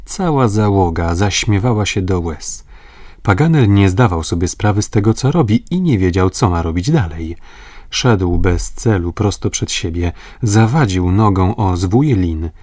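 A man reading an audiobook aloud in clear, expressive scripted narration on a close mic. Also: sits low, measured pace, no echo.

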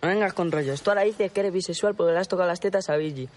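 Film role: man as a blunt, crude young camp guy who needles his friend, talks fast and a bit high. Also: lightly acted. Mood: bickering. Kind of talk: film dialogue.

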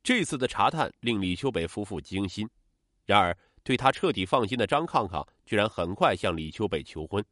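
A man narrating a true-crime case as a scripted story, in a steady, dramatic storytelling manner. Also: lowish voice, brisk, dry recording, clean studio sound.

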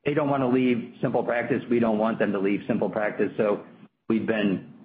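A man speaking as a company executive on an earnings call, piecing his answer together in halting phrases. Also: fairly low pitch, level tone. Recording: tinny, noisy conference phone line.

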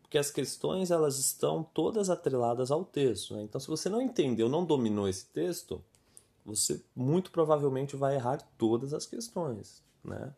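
A man's voice: medium pitch, animated, normal speed, vocal fry, warm tone, husky. Chatty Brazilian man teaching a lesson. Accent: Brazilian Portuguese. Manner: chatty and patient, leans on filler tags like "né" and "tá". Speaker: Portuguese-language teacher and podcast host. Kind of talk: casual spoken lesson going over a quiz.

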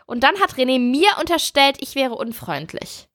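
A woman co-hosting a podcast in casual chat, telling stories in an animated way and laughing often. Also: high-pitched, moderate pace. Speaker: podcast co-host.

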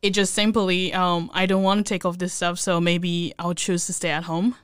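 Young woman guest, lots of um and like, super clear voice, dry close sound. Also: fairly low pitch, flat delivery, moderate pace, no echo. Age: young adult. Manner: hesitant, many fillers. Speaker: guest, protest volunteer. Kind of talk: casual interview.

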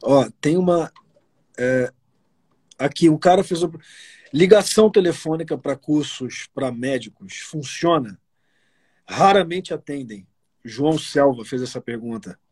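A Brazilian man hosts a podcast in a fairly high, husky voice. The sound is dry and close, and he talks in a quick, casual way. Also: expressive, a little mellow, no echo. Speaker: podcast host. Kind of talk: podcast interview.

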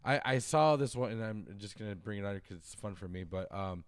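Smooth-voiced joking man on a podcast. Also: lowish voice, expressive, a little fast, dry recording, clean studio sound. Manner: jokey, playful sign-offs. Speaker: podcast co-host. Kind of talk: casual chat.

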